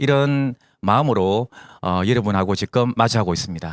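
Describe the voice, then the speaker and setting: Lively intonation moves through a fairly slow delivery, recorded very cleanly with a silent background and a dry, close sound without echo. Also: man. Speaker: motivational speaker at business seminar. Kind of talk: seminar talk.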